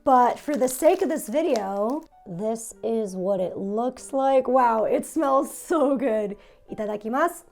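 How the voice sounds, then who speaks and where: A young woman hosting a casual food-tasting vlog, hoarse and nearly losing her voice, talking in a subdued, raspy monotone with small laughs. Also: fairly high pitch, unhurried, faint music behind. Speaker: food vlogger. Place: her home in Japan.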